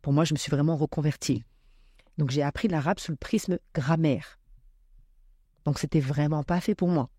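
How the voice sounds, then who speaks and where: A woman speaking as a podcast guest, reflecting on spiritual matters with many pauses and fillers. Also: low voice, warm tone, husky, dry recording, studio quality.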